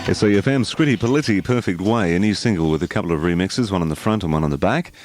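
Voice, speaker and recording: A man's voice: deep voice, fast. An Australian man presenting music and promotions as a 1980s radio DJ.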